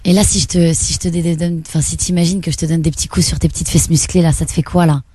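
A woman's voice: fairly low pitch, fairly even intonation, quick pace, warm tone, husky. A woman making a prank phone call, playfully putting on a seductive tone. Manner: playfully mock-seductive, teasing. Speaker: prank caller.

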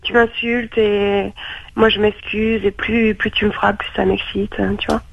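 A woman on the radio calmly going along with a caller's prank. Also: mid-range voice, a little slow, vocal fry, slightly rough, dry recording, highs cut off.

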